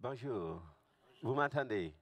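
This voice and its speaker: Husky West African man preaching informally. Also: medium pitch, expressive, slow, a bit bright. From Burkina Faso. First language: Fulfulde. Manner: conversational, checks in with listeners. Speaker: guest pastor and missionary speaker. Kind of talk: informal testimony preaching to a congregation.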